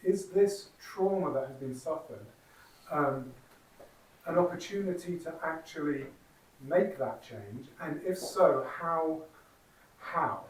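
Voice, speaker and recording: A man's voice: a little high, expressive, takes it slowly. Distant echoey man moderating a panel. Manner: polite, tentative, with fillers. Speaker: host.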